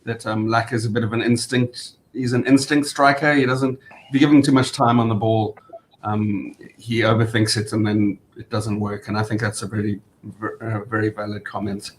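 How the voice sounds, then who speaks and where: A man giving casual post-match analysis as a fan, speaking in a hesitant, measured way. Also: steady tone, rough recording. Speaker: football fan panellist. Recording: faint rumbling background noise.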